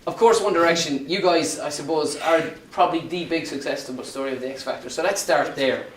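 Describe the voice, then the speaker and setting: Fast-talking upbeat male interviewer, roomy. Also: on the high side, distant mic, a little hiss or hum. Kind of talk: casual interview chat. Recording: roomy sound from off-mic.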